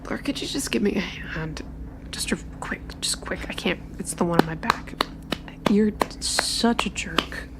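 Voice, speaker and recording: A woman's voice: fairly low pitch, measured pace, in a whisper, low-quality recording. A woman playing a down-on-his-luck male private investigator in a tabletop game, dry and offhand. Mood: pained, evasive. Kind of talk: tabletop roleplay.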